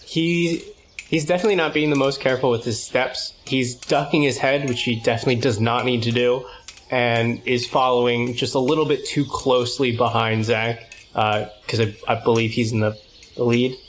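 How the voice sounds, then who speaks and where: A man's voice: medium pitch, fairly even intonation, moderate pace, slight background noise. A man casually describing his character's moves as a player in a tabletop game.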